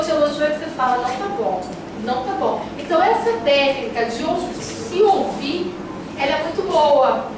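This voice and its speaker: A Brazilian woman lectures a class in a high voice. She is didactic and repeats key phrases to drive them home. The recording is very echoey and noisy, picked up from a distance. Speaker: teacher of a preaching class.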